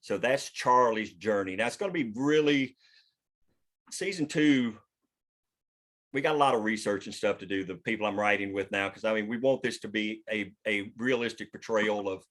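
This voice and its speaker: Male writer-host, casual group discussion, halting mid-sentence pauses, mildly profane. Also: on the low side, fairly bright tone. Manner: halting, pausing mid-sentence to find words. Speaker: writer and host leading a table read.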